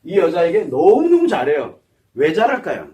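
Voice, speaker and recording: A man's voice: a little high, huge pitch swings, moderate pace, mellow. A man giving a psychology lecture, asking the audience questions and answering them himself. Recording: voice somewhat far from the mic.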